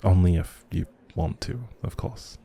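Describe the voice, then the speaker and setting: A man playing a socially anxious, kind stranger in an intimate audio roleplay, rambling hesitantly and doubting himself in a soft, breathy voice. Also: sits low, a little slow, exaggerated voice. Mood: apologetic, grateful.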